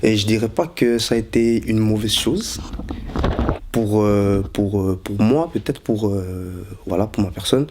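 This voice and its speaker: Young man, lowish voice, halting unscripted testimony. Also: noisy background. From Congo, raised in Brussels. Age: 20s. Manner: hesitant, many fillers and restarts. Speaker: interviewee.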